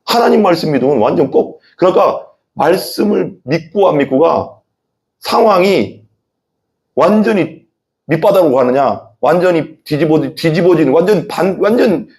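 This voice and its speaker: A man preaching an evening sermon as pastor, animated, asking the congregation questions and acting out voices in the quotes he tells. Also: a little high, moderate pace. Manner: asks the congregation questions and has them repeat.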